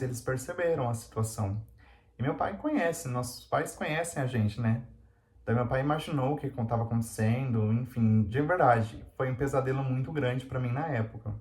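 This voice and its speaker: A man's voice: medium pitch, darkish tone. A man telling a personal story to camera in a candid, confessional way, with lots of fillers. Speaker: vlogger. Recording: roomy echo.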